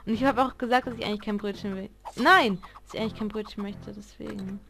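A woman's voice: medium pitch, steady tone, very fast, vocal fry, poor audio. A woman giving casual, chatty gameplay commentary, swearing at the game as she plays. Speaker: let's player.

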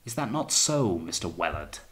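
A man voicing a paranoid, tyrannical naval captain in an audiobook sea story, taunting and accusing, swinging from quiet menace to blaring. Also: sits low, sing-song, moderate pace. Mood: sneering, taunting. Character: paranoid, sneering, tyrannical male naval captain, raging and suspicious. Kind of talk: dramatised audiobook reading of sea fiction.

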